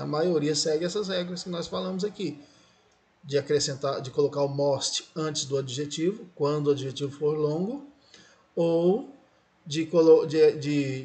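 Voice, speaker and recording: A fairly high-voiced Brazilian man teaching English grammar. He talks patiently and keeps checking whether his students follow. His tone is that of a recorded classroom explanation. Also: darkish tone. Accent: Brazilian Portuguese. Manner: patient, repeats "certo?" and "ó" to check understanding.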